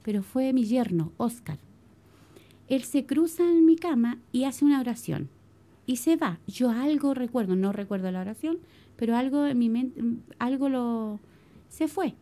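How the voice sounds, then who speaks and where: Warm Chilean woman giving church testimony. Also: a little high, unhurried. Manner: animated storytelling, addresses listeners as brothers. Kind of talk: spoken religious testimony.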